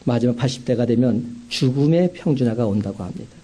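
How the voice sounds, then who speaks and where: Korean pastor guy preaching, kinda husky, mellow voice, big ups and downs. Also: medium pitch, expressive. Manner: emphatic preaching with rising climaxes and slow stressed phrases. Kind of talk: sermon.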